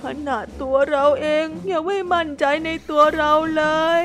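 A woman's voice: extremely high pitch, unhurried, pitched above the performer's own voice. A woman voicing a shy, clumsy young female hippo who keeps apologizing through tears. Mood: sad, doubting. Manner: apologetic, tearful. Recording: music underneath.

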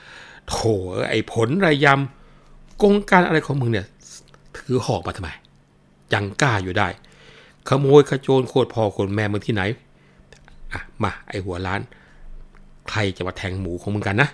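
A man voicing a coarse, domineering older mother who yells crude insults at her daughter. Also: low voice, flat delivery, normal speed, long pauses. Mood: furious. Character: furious scolding old mother, coarse and domineering.

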